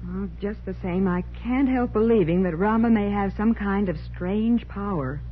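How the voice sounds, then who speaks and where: A woman's voice: mid-range voice, moderate pace, lightly acted. A woman playing a curious, spirited young detective's assistant, inquisitive in 1940s radio crime drama style. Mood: speculating. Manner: inquisitive, speculating. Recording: muffled, noisy 1940s radio recording.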